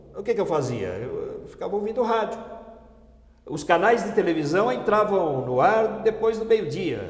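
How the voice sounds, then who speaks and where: Noticeable background noise and audible room echo mark this clip. A man speaks at a moderate pace. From Brazil, São Paulo city. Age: 60s. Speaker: radio journalist. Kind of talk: interview testimony. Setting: at home.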